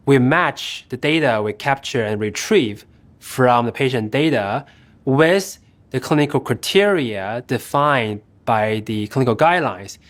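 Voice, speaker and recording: A man with a mid-pitched voice speaks as a technical lead in a corporate promo interview. He explains step by step in a methodical way. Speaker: head of AI at a tech company.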